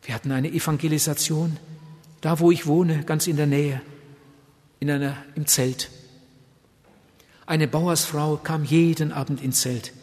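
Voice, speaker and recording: A man preaching a sermon and telling a story, swinging from loud, urgent appeals to hushed, almost whispered passages. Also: a little high, fairly even intonation, unhurried, pauses often. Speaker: evangelist preacher. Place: large event hall. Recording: long hall reverb.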